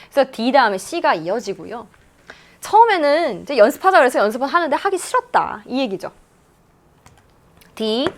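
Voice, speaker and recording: Woman teacher doing an exam lecture, highish voice, super animated ups and downs, slow english reading then quick explaining. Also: a little hiss or hum. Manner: lively, reads English lines slowly then explains in Korean.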